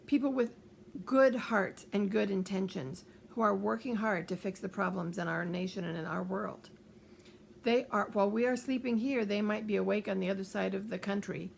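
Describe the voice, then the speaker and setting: Older woman, gravelly edge, gentle advice talk, faint hiss behind. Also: medium pitch. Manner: gentle, repeats reassuring phrases. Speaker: author giving coping advice. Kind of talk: calm advice talk to camera.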